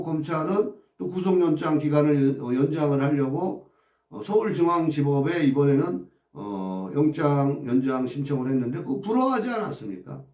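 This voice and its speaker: A man's voice: sits high, roomy sound, distant mic. A man delivering an impassioned, agitated political commentary monologue, firing off rhetorical questions and blunt insults. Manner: agitated, rhetorical, crude insults, repeated "어?" asides.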